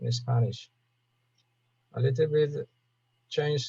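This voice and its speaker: Here a man speaks at a moderate pace, his tone dark and mellow. His voice is somewhat breathy, with ordinary pitch variation. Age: 40s. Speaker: Spanish tutor. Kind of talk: language lesson conversation.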